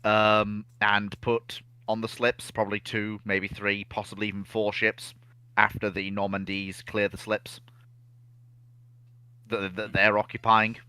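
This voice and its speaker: Guy with a lowish bright voice talking history casually, animated and opinionated, dry close sound. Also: unhurried, smooth, dry recording. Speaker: naval history discussion panelist.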